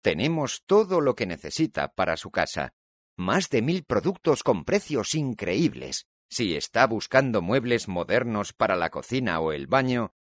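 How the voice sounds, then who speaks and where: A man reading short radio ads aloud in a clear, even announcer delivery for a listening exam. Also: fairly low pitch, dry recording, clean studio sound. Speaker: ad voice-over reader.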